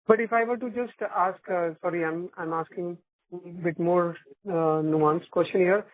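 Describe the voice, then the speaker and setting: A man's voice: high voice, fairly even intonation, normal speed, no room sound. A man working as an analyst, asking polite, probing questions on an earnings call. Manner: polite, probing, says sir. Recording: tinny phone line.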